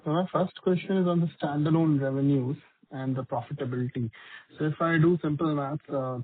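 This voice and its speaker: A man with an Indian accent puts probing, number-heavy questions as a financial analyst on an investor call. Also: a little high. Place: conference call. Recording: rough, tinny conference phone line.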